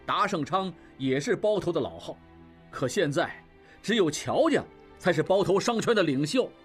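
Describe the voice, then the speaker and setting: A man's voice: fairly high pitch, lively intonation, normal speed, soft background music, natural voice. A man doing a bold young merchant heir. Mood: earnest. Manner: rallying, forceful.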